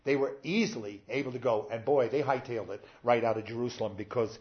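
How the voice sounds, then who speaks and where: An older man, a pastor, preaching a sermon in a conversational way, pausing with "uh" and talking straight to his congregation. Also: mid-range voice, lo-fi sound.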